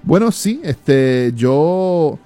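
A male radio co-host talks in a mellow, dark voice, often pausing and restarting. Soft music sits faintly underneath. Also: a little high, animated. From United States. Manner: hesitant, many restarts and fillers. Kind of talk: casual talk radio.

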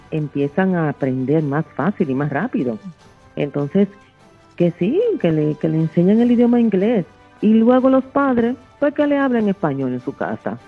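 A woman's voice: on the low side, breathy edge. A woman calling in to a radio show, talking cheerfully and gratefully. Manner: cheerful, thankful, warm. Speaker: caller. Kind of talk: phone-in call. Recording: tinny phone line.

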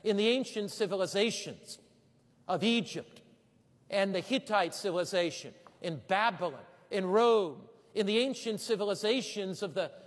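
A man preaching a sermon, dramatic, slowing for emphasis and repeating phrases. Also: sits high, big-room sound.

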